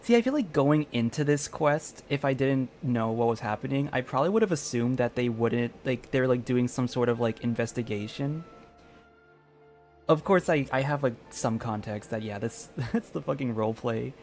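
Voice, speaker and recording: A chatty game streamer talks casually over gameplay. The phrasing is informal and sweary, with soft game music behind the voice. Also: medium pitch, animated, moderate pace. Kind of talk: casual live gameplay commentary. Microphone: streaming microphone.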